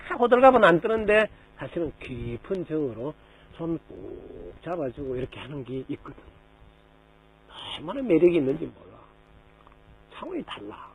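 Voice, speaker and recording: A man's voice: fairly high pitch, creaky, husky, low-quality recording. A man, a Buddhist monk, giving a dharma talk to lay listeners, telling stories with rhetorical questions and mimicking the people in them.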